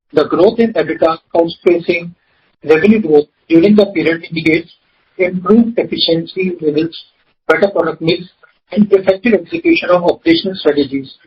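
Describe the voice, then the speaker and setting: An Indian man reads out company results in a formal, scripted style. His voice is high for a man and rough-edged with huskiness. It comes through a dull, lo-fi conference call line. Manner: formal, reading out figures. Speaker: company executive presenting financial results. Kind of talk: scripted formal earnings presentation.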